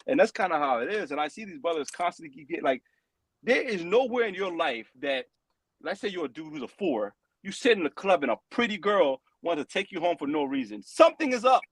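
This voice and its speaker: A man with a fairly high voice, opinionated and animated as he talks things over on a podcast. His delivery is emphatic, climbing into exclamations when he makes a point, and the sound is dry and close with no room echo. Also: fairly quick. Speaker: podcast panelist. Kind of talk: casual opinionated chat.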